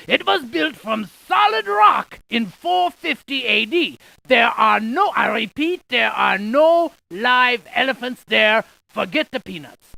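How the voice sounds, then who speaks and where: A woman playing an excitable, quirky scientist in an educational game, reciting landmark trivia with theatrical emphasis and playful quips. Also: fairly high pitch, vocal fry, no room sound, heavily acted, poor audio. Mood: playfully emphatic. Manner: theatrical, quippy, exaggerated emphasis.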